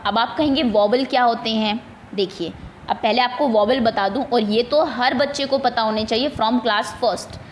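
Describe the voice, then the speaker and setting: Woman, Indian accent, slightly high voice, patient bilingual grammar teacher for kids. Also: slight background noise. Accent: Indian English. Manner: explains patiently in Hindi mixed with English, asks pupils questions. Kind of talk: online grammar lesson for children.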